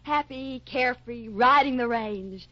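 A woman's voice: on the high side, measured pace, lightly acted. A woman playing a flirtatious, scheming movie actress with a gushing, theatrical manner in a 1950s radio drama. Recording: dull old 1950s radio recording.

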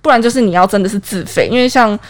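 A woman co-hosting a casual chat, explaining vocabulary and answering with quick agreements. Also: medium pitch. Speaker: co-host, translator.

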